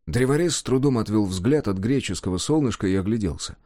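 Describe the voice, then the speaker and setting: A man reads a folk tale in a folksy, expressive storyteller's manner. His pitch moves in a lively way while his tone stays dark and mellow. The recording is dry and close. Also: a little fast, no echo. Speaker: audiobook narrator. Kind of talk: scripted storybook narration.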